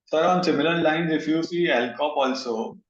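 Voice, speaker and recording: Hesitant Indian man on a roomy call. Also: on the high side. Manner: hesitant, halting phrasing. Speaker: investment analyst asking questions. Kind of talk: questions on a conference call. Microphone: conference call line. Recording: roomy, dull conference-call line.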